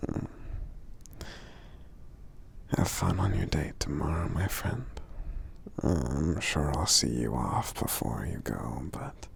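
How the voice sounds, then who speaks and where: Man playing a very deep, gravelly, gentle sleepy giant. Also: animated, heavily acted. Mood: drowsy, affectionate. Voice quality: very deep, gravelly, breathy half-whisper. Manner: slow, hesitant, murmuring with frequent hums. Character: gentle, sleepy friendly male giant, affectionate and caring. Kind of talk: ASMR roleplay, soft speaking.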